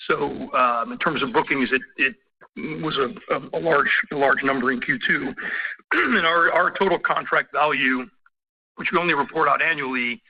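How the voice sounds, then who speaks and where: A man answering as a company executive on an earnings call, speaking off the cuff in a halting way with repeated words and throat-clearing. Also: a little high. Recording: dull, band-limited conference call audio.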